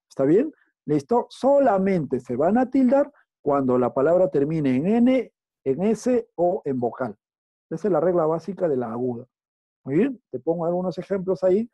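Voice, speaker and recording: A man's voice: high-pitched, dark tone, no room sound. A male teacher with a Peruvian accent, giving a recorded class and explaining step by step, often checking that students follow. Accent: Peruvian Spanish. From Peru. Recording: dull lo-fi recording.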